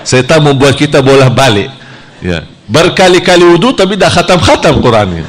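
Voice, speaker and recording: A man from Saudi Arabia, preaching a sermon in a lively style whose pitch jumps high when he plays out temptations. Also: moderate pace.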